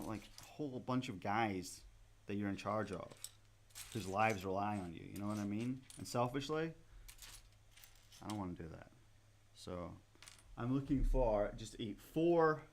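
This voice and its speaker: A man with a Scottish accent chatting casually as a museum livestream host while building a model kit, rambling with many fillers and restarts. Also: a little hiss or hum. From Scotland. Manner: animated, with sudden rises in pitch and loudness when excited.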